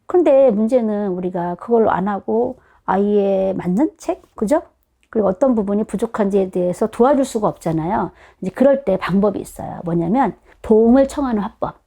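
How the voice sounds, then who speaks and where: A woman with a warm, relaxed tone at an average pitch speaks as an educator to parents. She explains in a conversational, animated way. She often puts rhetorical questions to her listeners and then answers them. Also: normal speed, creaky. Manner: animated, acts out short quotes of children and parents. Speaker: reading educator giving parents advice.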